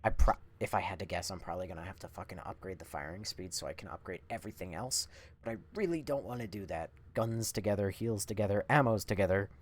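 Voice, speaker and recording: A man doing casual live game commentary, rambling and swearing as he thinks out loud. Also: low voice, fast talker. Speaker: live streamer. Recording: faint background noise.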